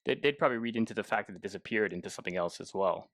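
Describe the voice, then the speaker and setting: A man co-hosting a podcast in casual literary discussion, restarting haltingly as he forms his ideas. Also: fairly low pitch, lively intonation, fairly bright tone, dry recording. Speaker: podcast co-host and interviewer.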